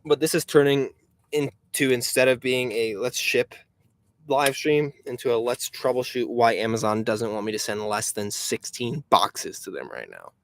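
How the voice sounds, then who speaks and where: Young guy in his 20s rambling through a live stream, dry close sound, mid-pitched, answers chat and mutters when stuff breaks. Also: moderate pace, vocal fry, no room sound. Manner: chatty and rambling, reads chat questions aloud, frustrated asides. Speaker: online reseller hosting a live stream.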